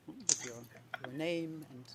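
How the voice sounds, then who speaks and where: A legal representative speaking in a measured, deliberate way while questioning a witness in court. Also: medium pitch, very noisy.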